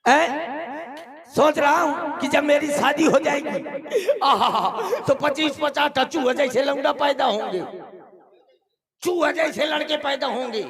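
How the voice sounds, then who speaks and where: A man's voice: very high-pitched, full character voice. A man playing a boastful gluttonous bachelor king in a folk stage comedy, rambling and repeating himself. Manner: rambling, repeats himself, laughs through lines. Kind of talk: comic folk-theatre monologue.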